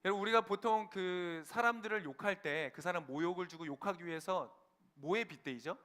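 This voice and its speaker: A man's voice: sits high, a little fast, sharp tone. A young man preaching a sermon, addressing the congregation with rhetorical questions and building to fervent, emphatic declarations. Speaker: pastor.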